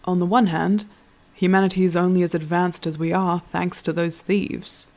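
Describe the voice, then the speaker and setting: A woman playing a reflective, literate storyteller in a scripted audio drama, musing in a measured, thoughtful way. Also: on the low side, little pitch movement, darkish tone, close to an everyday voice.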